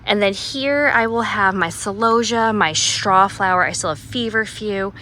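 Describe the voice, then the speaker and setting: Recorded on a phone camera, a woman walks around her backyard in a casual gardening vlog, showing her plants and getting out of breath as she works. Her medium-pitched voice is unhurried and sharp, on a low-quality recording with slight background noise.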